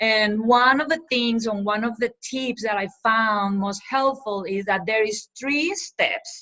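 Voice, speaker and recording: This woman's voice sits fairly high in pitch, with a bright, sharp tone and ordinary pitch variation, moving at a very slow pace with hardly any pauses. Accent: Colombian. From Colombia. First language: Spanish. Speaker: motivational speaker. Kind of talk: interview on live webinar. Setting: live video webinar.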